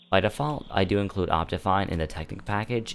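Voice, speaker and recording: Music playing behind a man's voice, moderately paced, with ordinary pitch variation. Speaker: gaming YouTuber. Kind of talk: tutorial. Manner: casual with filler words.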